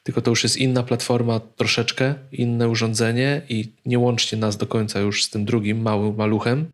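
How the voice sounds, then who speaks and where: A man's voice: mid-range voice, level tone, normal speed. A man co-hosting a casual tech podcast, giving his opinions in long, flowing stretches. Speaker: podcast co-host.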